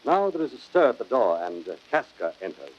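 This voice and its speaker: A man's voice: mid-range voice, sing-song, brisk, a little hiss or hum. A man giving solemn, scripted dramatic narration as the narrator of an audio play. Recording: dull old record with music behind. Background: music.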